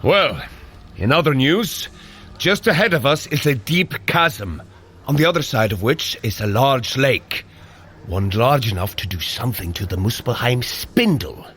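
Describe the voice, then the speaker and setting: An actor playing a heroic, good-humoured thunder god in an audio drama, speaking in a grand, deliberate manner. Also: male voice, mid-range voice, lively intonation, fairly bright tone, breathy edge. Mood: reporting. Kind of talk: scripted audio drama acting.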